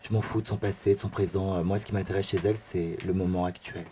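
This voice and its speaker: A man with a husky voice, the host's friend, gossiping in a camp, teasing drawl during casual banter. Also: flat delivery, fast, mellow, slight background noise. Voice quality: husky low voice. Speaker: guest friend.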